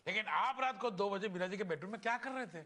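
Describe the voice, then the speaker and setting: An actor playing a nervous office boss who questions the accusation, in a TV sitcom. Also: male voice, high-pitched, animated, fast talker. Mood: questioning. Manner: stammering when nervous, questioning. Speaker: sitcom character. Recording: TV sitcom audio with loud background music.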